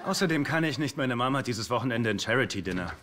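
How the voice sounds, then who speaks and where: Casting: male actor for charming sitcom bachelor, mid-pitched and animated, teasing with dry wit. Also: fast, lightly acted. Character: good-natured, teasing, charming younger rich bachelor. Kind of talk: German-dubbed TV sitcom acting. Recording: loud background noise, sitcom soundtrack.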